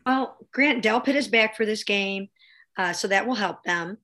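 Hoarse woman, casual panelist on a sports podcast, matter-of-fact. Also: mid-range voice, moderate pace, bright, forceful tone. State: losing her voice, hoarse.

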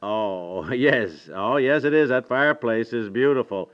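A man's voice: medium pitch, animated, unhurried, fairly bright tone. An actor playing a flustered, indecisive, good-natured middle-aged American husband in a 1950s radio comedy, stammering and repeating his words. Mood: polite, sheepish. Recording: dull vintage 1950s radio recording.

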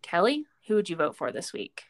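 A woman's voice: fairly low pitch, huge pitch swings, brisk, faint music behind. A middle-aged woman co-hosting a recap podcast in a casual, giggly, informal way. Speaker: podcast co-host. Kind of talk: casual reality TV recap chat.

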